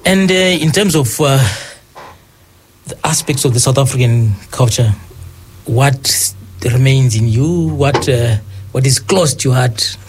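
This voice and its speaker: A man interviewing a guest, asking halting, rambling questions and backchanneling often. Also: mid-range voice, slight background noise. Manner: halting, restarts questions, frequent mm-hmm.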